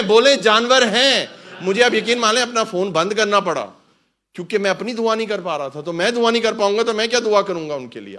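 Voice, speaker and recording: With a high, fairly bright voice, a man preaches passionately as a pastor. He frequently shouts "hallelujah," has the congregation repeat him, and slips English words into the sermon.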